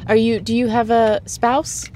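A woman's voice: on the high side, little pitch movement, a little slow, crowd noise. A woman hosting an interview podcast, speaking in a conversational way. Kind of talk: conversational interviewing and scripted narration.

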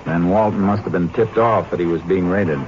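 An American actor playing a tough, terse Texas Ranger in a 1950s western radio drama. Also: male voice, low-pitched, fairly even intonation, a little fast, highs cut off, natural voice. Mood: businesslike. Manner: terse, dry, commanding. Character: tough, cool Texas Ranger lawman hero. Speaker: lead actor and narrator. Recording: noisy, band-limited old radio recording.

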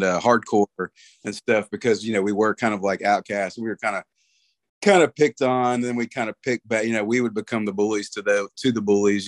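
A man's voice: fairly low pitch, no echo. A man talking casually about an old friend, rambling with many fillers. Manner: rambling, lots of "you know". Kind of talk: casual conversation.

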